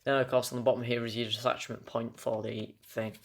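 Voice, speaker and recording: A young man with a British accent giving a casual, unscripted video review of a collectible, halting and often stumbling over his words before correcting himself. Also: mid-range voice, flat delivery.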